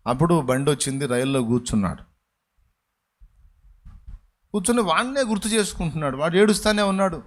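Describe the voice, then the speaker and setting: A man preaching a sermon as pastor, telling a story and acting out its voices with sudden loud and hushed turns. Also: fairly high pitch, expressive, racing.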